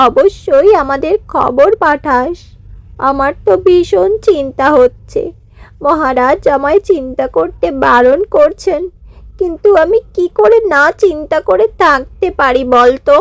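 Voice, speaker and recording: A woman's voice: sits high, a bit bright, dry recording, exaggerated voice. A woman voicing an anxious, doting queen mother in a cartoon fairy tale, dramatic and emphatic.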